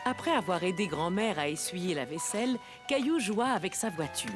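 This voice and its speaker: A woman reading scripted storybook narration for a children's cartoon, with expressive storytelling. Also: fairly low pitch, normal speed. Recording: music behind the voice.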